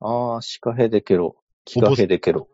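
A man's voice: on the low side, moderate pace, warm tone, breathy edge, dry recording, highs cut off. A man from Iwate, Japan chatting as a podcast guest, hesitant and laughing often. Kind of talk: casual chat.

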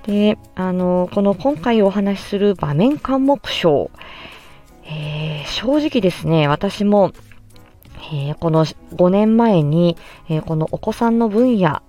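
A woman with a slightly low voice talks through a topic as a podcast host and speech therapist. She is polite and measured, pausing often with soft fillers. Faint music plays underneath. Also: animated. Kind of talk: explanatory podcast monologue.

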